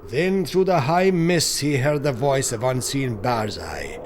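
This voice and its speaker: A man's voice: medium pitch, expressive, unhurried, a little hiss or hum. A man narrating a scripted horror audiobook in a solemn, theatrical storytelling manner.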